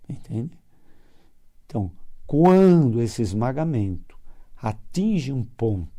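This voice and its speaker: A man's dark, mellow voice at a very slow pace with very wide pitch swings, on a very clean recording with a silent background. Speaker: physician and radio host. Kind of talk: radio health talk. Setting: radio studio.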